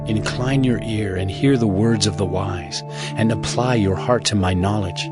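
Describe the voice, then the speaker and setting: A man with a fairly low voice gives a dramatized scripture reading. His delivery is earnest and measured, with music clearly playing underneath. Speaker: audio Bible narrator.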